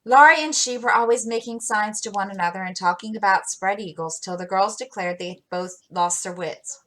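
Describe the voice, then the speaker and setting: A woman reading a classic novel aloud as a storyteller, with expressive delivery and occasional slips. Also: medium pitch, normal speed, low-quality recording.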